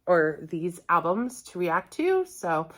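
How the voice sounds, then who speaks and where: A woman hosting a music reaction channel chats casually with viewers, rambling, correcting herself and sounding somewhat apologetic. Her voice is fairly low, very animated and slow-paced.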